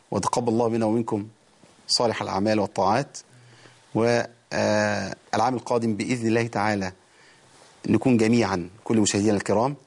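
A man with an Egyptian Arabic accent teaching Quran recitation on a TV show, explaining the rules in plain speech and reciting verses slowly and drawn out. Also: fairly low pitch.

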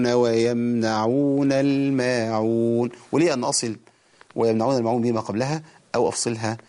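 A mid-range, darkish voice belongs to this Egyptian-accented man teaching Quran recitation on television. He explains the rules plainly, then recites the verses slowly and stretched out.

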